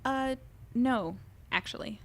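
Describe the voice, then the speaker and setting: A woman's voice: a little high, takes it slowly, a little hiss or hum. A woman playing an earnest, slightly awkward young newspaper reporter in a conversational audio drama. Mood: hesitant but resolved. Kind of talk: naturalistic audio drama dialogue and narration.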